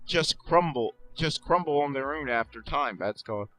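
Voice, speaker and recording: A let's play commentator gives casual, rambling commentary over a video game, cracking sarcastic, self-deprecating jokes and often restarting his sentences. His voice is fairly high, animated, and a bit bright, at a normal speed.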